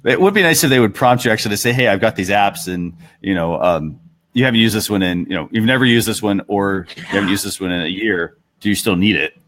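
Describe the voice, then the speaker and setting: A man's voice: fairly low pitch, fast, fairly bright tone. A man hosting a talk show in casual chat, with loose, hesitant phrasing full of "you know". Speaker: host of a marketing talk show.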